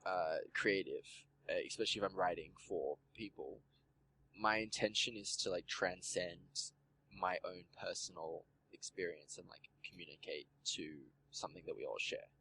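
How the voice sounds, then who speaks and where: Man, lowish voice, podcast host, meandering talk, lots of filler words, casual swearing. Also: moderate pace, sharp tone, slight background noise, low-quality recording. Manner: rambling, peppered with "like", swears casually. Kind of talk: casual chat.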